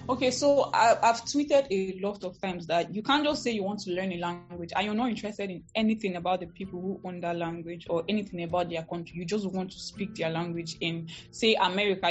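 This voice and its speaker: A woman's voice: medium pitch, highs cut off. A woman with a Nigerian accent, a language teacher answering interview questions earnestly with fillers like "as in". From Ebonyi, Nigeria. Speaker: podcast guest, Korean teacher.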